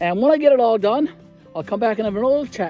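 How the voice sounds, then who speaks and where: Faint background music and a dry sound without any echo. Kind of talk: casual vlog chat. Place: open country. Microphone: phone near.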